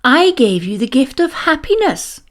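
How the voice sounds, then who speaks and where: Lady doing cheery schoolteacher from a kids book, encouraging, highish voice, super animated. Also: normal speed. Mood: gently teasing, warm. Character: cheerful, encouraging female primary school teacher.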